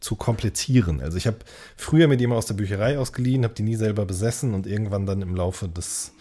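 A man's voice: fairly low pitch, fast, warm tone, slightly rough. Man in casual podcast chat. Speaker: podcast co-host.

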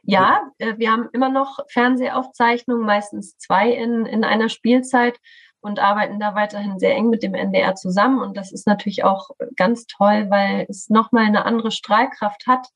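Friendly woman, slightly husky. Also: mid-range voice, fairly even intonation, moderate pace, fairly bright tone. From Schleswig-Holstein, northern Germany. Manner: friendly, thoughtful, many fillers and restarts, laughs lightly. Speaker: artistic director of a theatre studio, guest. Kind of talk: podcast interview, explanatory.

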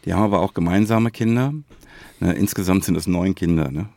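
A man's voice: low-pitched, brisk, creaky, darkish tone, dry recording. A man, co-hosting a casual podcast chat and often tagging phrases with a questioning "ne?". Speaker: podcast co-host, quiz poser.

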